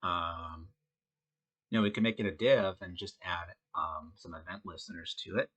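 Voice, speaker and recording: Congested low-voiced man coding aloud. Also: moderate pace. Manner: relaxed, thinking aloud with many fillers. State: congested from a head cold. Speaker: web design instructor. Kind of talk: screen-recorded coding tutorial.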